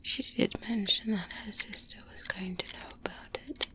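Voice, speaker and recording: A woman playing a seasoned, guarded vampire hunter mentor in an ASMR roleplay, speaking in a breathy whisper with measured, deliberate pauses, close to a binaural mic. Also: medium pitch, sharp tone, close to an everyday voice. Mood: secretive, wry. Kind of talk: soft-spoken ASMR roleplay monologue. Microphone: close-up binaural microphone.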